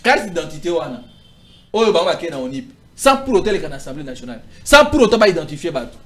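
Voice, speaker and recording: High, lively man arguing politics. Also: fast, a crowd in the background. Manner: animated, gesturing, stammering restarts. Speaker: political commentator. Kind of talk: heated talk-show debate. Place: TV studio. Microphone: lapel.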